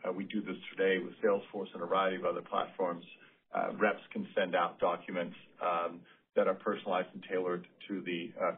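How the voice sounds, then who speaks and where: A deep-voiced man speaks through a narrowband phone connection. He answers as a company executive, explaining things in considered, unscripted phrases. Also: slight background noise. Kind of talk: spontaneous answer on earnings call. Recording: narrowband, radio-like phone line.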